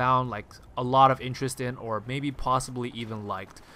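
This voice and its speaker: A man at a fairly quick pace, with a Californian accent. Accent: American, California. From China, then California. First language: Chinese. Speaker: gaming YouTuber. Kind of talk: gameplay commentary storytelling. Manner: casual.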